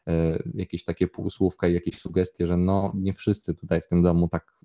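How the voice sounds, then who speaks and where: Low, dark-voiced dog trainer. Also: male voice, flat delivery, brisk, muffled recording. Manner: long explanatory answers with many fillers. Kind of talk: podcast conversation.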